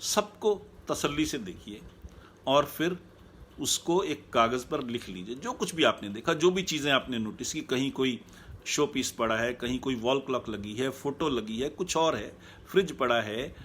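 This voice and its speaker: In a live online talk, a man acting as a happiness coach speaks calmly and in a measured way, going back over his main points. His voice is mid-range, and there's a little background noise.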